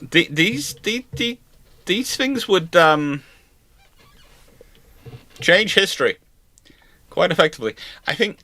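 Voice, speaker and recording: A man's voice: sits high, lively intonation, slow, pauses often, sharp tone, dry recording. A man hosting a casual live discussion with technical commentary, emphatic and often repeating words as he thinks. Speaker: host of a live naval history discussion.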